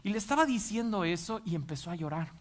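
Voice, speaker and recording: A man preaching a sermon in church, telling a personal story. He shifts between quiet, reflective passages and emphatic ones, filling pauses with "este". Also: high voice, lively intonation.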